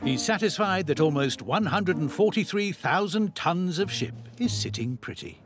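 A man narrating a documentary in a measured, storytelling voice. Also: high voice, animated. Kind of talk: scripted narration. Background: music.

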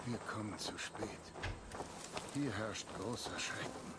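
An actor playing a wry, menacing Arab assassin with a dry, sardonic manner in a video game. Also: male voice, fairly low pitch, takes it slowly, heavy background noise. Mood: grim. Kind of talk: dramatic video game dialogue.

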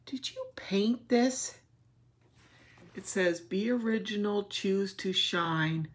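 A woman hosting a craft channel, gushing warmly over gifts as she unboxes them, emotional and sometimes dropping to a whisper. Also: fairly low pitch. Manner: gushing and tender, often drops to a whisper. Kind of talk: casual gift unboxing chat.

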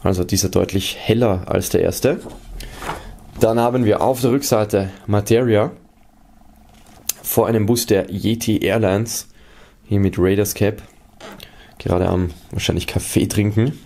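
A man's voice: on the low side, fairly even intonation, measured pace, vocal fry, pauses often, warm tone. A man hosting an unboxing video, casually and methodically describing items to viewers. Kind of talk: casual product showcase commentary to viewers.

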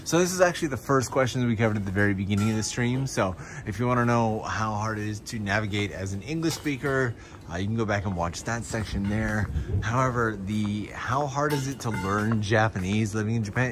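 A man hosting a casual walking livestream outdoors, answering viewer questions in a relaxed, chatty way. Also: fairly low pitch. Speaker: vlogger and livestream host. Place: outdoors on city streets. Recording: street noise behind the voice. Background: street ambience and passing vehicles.

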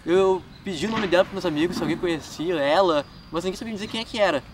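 A young gaming YouTuber from Rio Grande do Sul, Brazil, with a southern gaúcho Portuguese accent, answers fan questions casually in a park vlog, full of filler tags and laughing at himself. He talks fast in a high voice. A camera mic a few feet away in the wooded park picks up outdoor noise.

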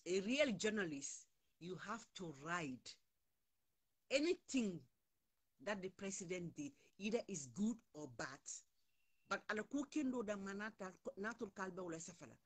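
A woman's voice: mid-range voice, animated, moderate pace, husky. A woman in her forties hosting a phone live stream, talking heatedly and repeating lines for emphasis. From Gambia. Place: indoors, small room, plain wall. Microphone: phone at arm's length.

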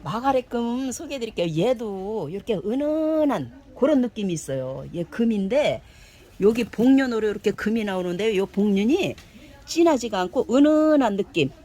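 A woman's voice: mid-range voice, lively intonation, moderate pace, dark tone. Lady selling succulents live, gushes over every plant, voice jumps all over. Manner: gushing, exclaims over each plant; cheerful and chatty, talks to herself aloud. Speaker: succulent seller. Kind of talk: live sales pitch.

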